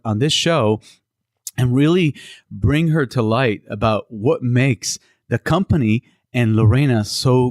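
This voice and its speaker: A Cuban man with a medium-pitched, darkish voice hosts a casual interview podcast, speaking haltingly with many fillers and restarts. The sound is dry, with no echo.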